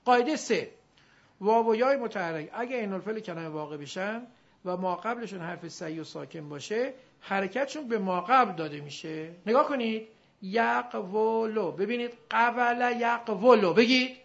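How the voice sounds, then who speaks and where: A male teacher giving a classroom grammar lesson, drilling his students and drawing out example words slowly. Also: high voice, lively intonation. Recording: dull lo-fi recording.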